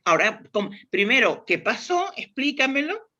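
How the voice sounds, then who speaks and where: Here a woman from Spain, accented in Spanish, discusses demand planning as an interview guest, musing conversationally with many restarts. Her voice is on the high side and sing-song, at normal speed, with a sharp tone and the highs cut off.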